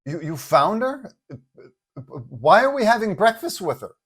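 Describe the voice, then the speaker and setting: A man's voice: sits high, very animated, a little slow, fairly bright tone, husky, voice pushed up, exaggerated voice. A man voicing a flabbergasted, idealistic superhero boyfriend in a story, stammering and incredulous. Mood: bewildered.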